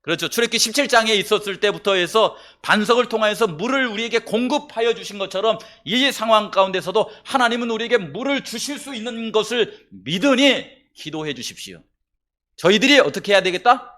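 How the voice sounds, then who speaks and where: A man preaching a sermon to his church congregation. His voice sits fairly high for a man. He talks in a conversational way, tossing questions to the listeners, and swings between loud emphatic bursts and low, quiet asides. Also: animated, a little fast. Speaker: pastor.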